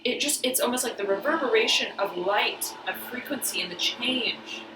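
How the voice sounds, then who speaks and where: A woman giving an intuitive tarot reading, halting and searching as she talks, slightly hoarse, often saying "right" and "I'm hearing.". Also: fairly high pitch, distant mic, background noise. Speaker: tarot reader. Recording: roomy echo, voice off-mic.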